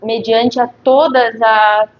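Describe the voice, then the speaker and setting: A woman with a fairly high voice chats in a relaxed interview about her life. She reflects as she goes, with little pauses and tag questions. The recording is dull and lo-fi, with faint hiss underneath. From Criciúma, Santa Catarina, Brazil. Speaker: guest, nurse. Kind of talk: casual interview chat. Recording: dull lo-fi audio with faint noise.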